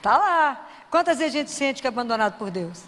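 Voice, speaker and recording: A woman preaching with a high voice, asking her listeners question after question. Her words ring with a long reverb through a large hall. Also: sing-song, brisk, slight background noise. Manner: asks the audience questions, acts out prayers in a softer voice. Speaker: Christian speaker. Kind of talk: sermon.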